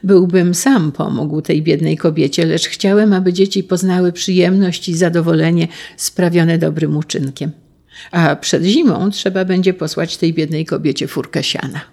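A storybook reader voicing a kind father of a manor house who speaks calmly and softly. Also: mid-range voice, moderate pace, gravelly. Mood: gentle.

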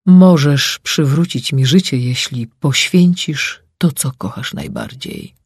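A man voicing a steadfast, dignified male servant, speaking solemnly and measured, with a husky voice. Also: medium pitch, no room sound, clean studio sound.

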